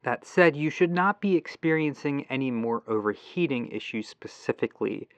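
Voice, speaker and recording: A man acting as a polite, patient tech support agent in a soft-spoken ASMR roleplay, musing aloud over a lo-fi telephone line. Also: mid-range voice, lively intonation, smooth, dry recording. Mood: reassuring. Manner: unhurried, pausing, courteous, musing aloud. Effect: lo-fi telephone filter.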